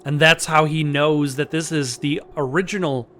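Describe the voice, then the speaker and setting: A man giving casual let's-play commentary, halting as he thinks aloud. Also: on the high side, steady tone, fairly bright tone. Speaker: let's player. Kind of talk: casual game commentary with read-aloud dialogue.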